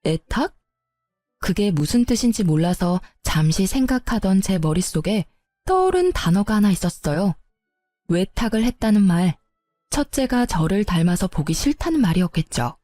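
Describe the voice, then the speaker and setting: A woman retells her story in the first person, confiding and indignant. Her voice is mellow and soft, and the sound is close and dry. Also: mid-range voice, animated, normal speed, dry recording, soft background music. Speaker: narrator.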